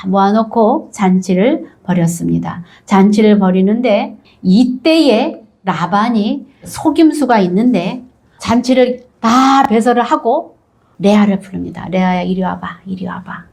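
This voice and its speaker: A woman pastor preaching a sermon with animated storytelling, acting out the figures as she retells the story. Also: medium pitch, a little slow.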